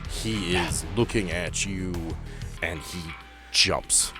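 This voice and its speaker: A man running a tabletop roleplaying game as game master, improvising the narration in a dramatic, deliberate way with pauses. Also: deep voice. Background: guitar-led music bed.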